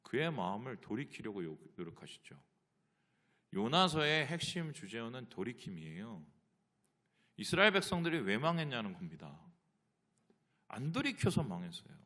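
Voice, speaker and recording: A man's voice: mid-range voice, sing-song, moderate pace, long pauses, sharp tone. A male pastor preaching a sermon, asking the congregation rhetorical questions.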